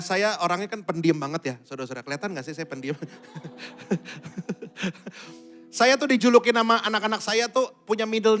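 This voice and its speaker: A man preaching a Sunday church sermon, telling stories to the congregation and swinging between quiet asides and loud, emphatic bursts. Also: on the high side. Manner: keeps addressing the congregation directly. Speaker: pastor. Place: church service.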